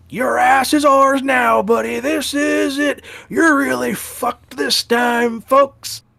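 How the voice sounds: A man doing a put-on character voice, pitched extremely high and delivered at a fairly slow pace.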